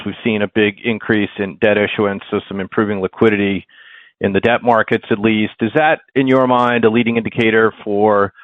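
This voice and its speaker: A man's voice: lowish voice, no room sound. A man asking questions as a financial analyst on a conference call, in clipped and slightly hesitant phrases. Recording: thin, dry phone line.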